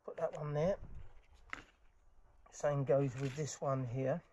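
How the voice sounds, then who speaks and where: This informal DIY tutorial is narrated by a man who chats as he works, spending part of it outside in a garden. He speaks slowly in a slightly high, mellow voice with fairly even intonation, over a noisy recording full of clicks and handling sounds.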